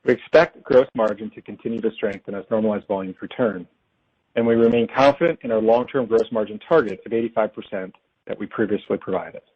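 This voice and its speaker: A man presenting as a company finance executive on an earnings call, reading prepared figures in a formal, measured way. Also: lowish voice, breathy edge. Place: conference call. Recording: dull, lo-fi conference call audio.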